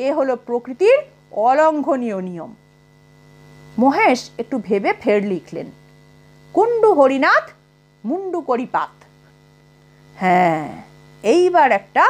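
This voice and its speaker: A woman narrating a humorous short story in an expressive, dramatic audiobook style. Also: high-pitched. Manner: expressive, with wide rises and falls.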